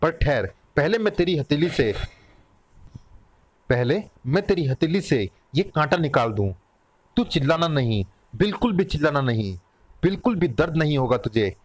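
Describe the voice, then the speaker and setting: A man voicing a gruff, hot-tempered man of the wolf clan who bosses and threatens. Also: a little high, sing-song, normal speed, no room sound. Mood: gentle.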